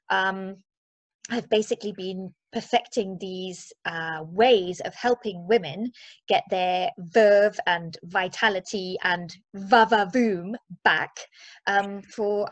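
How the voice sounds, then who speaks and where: A woman's voice: mid-range voice, no room sound. Chatty woman in her forties, dry close sound. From Zimbabwe. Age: 40s. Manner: chatty, playful, expressive. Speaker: interview guest, mindset and movement coach. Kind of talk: casual conversational interview.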